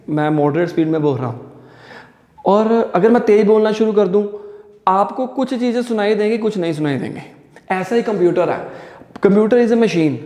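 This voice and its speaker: A man's voice: sits high, a little mellow. A man coaching students for an exam in a live online session, explaining step by step, asking questions and answering them himself, often slipping in English phrases like "no problem at all". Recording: echoey room with long reverb.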